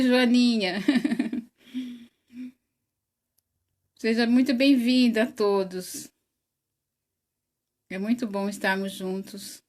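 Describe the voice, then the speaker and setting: A woman with a Brazilian Portuguese accent and a voice on the high side hosts an online spiritist study livestream. She chats casually, greets viewers individually by name, laughs often, and remarks that her voice is very loud.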